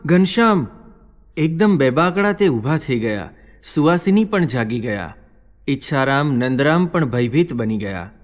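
Man narrating a dramatic religious story. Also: mid-range voice. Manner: solemn, vivid storytelling. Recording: long hall reverb.

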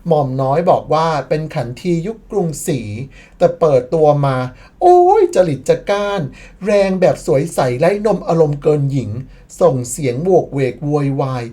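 A woman's voice: low-pitched, moderate pace, hardly any pauses, mellow, slightly rough. A woman narrating a scripted history commentary as the channel admin, playful and sarcastic, with bursts of mock disbelief.

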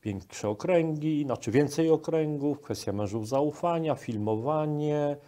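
Mellow-voiced man hosting an interview. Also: on the high side, unhurried. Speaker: interviewer, program host. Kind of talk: broadcast interview. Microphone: lapel microphone.

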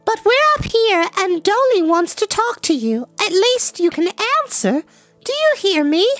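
Young princess, extremely high voice, animated, scolding, commanding, storybook tale, faint music behind. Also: male voice, a little slow, exaggerated voice. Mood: calling out. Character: outspoken, bossy, indignant young princess. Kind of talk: dramatised audiobook reading.

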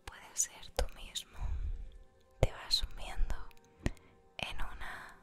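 A woman with an accent from Spain whispering an ASMR guided meditation in a soothing, gentle, unhurried manner. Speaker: ASMR creator guiding meditation. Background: music.

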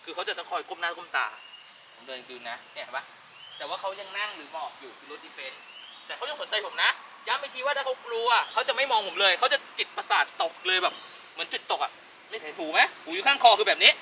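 A man working as a dog trainer, quickly coaching owners through a training session outdoors. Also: sits high, lively intonation, distant mic, background noise. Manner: quick, instructive, talks directly to the owners.

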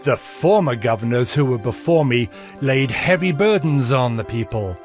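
A man playing a righteous governor narrating his deeds in a dramatized scripture reading, measured and earnest. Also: medium pitch, animated, natural voice. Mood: earnest, resolute. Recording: music bed behind the voice.

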